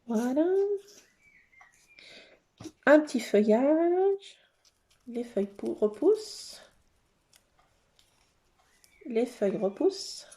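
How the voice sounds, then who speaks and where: A woman hosting a casual craft session, chatting to her viewers and thinking aloud as she works, with sudden bursts of excitement. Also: on the high side, drawn-out words, pauses often. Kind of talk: casual craft tutorial chat.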